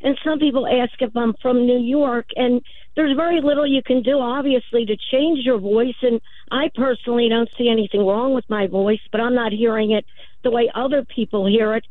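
A woman from Philadelphia with a Philadelphia accent, calling a radio show over a tinny phone line. Her voice sits fairly high, and she talks earnestly and a little hesitantly. The sound is dry and thin. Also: steady tone, normal speed, no echo. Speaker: caller.

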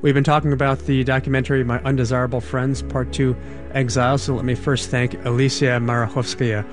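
A man's voice: medium pitch, level tone, brisk. Brief: male public radio host, thanking guests as a music bed plays under him. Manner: brief affirmations, formal thanks. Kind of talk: radio interview hosting.

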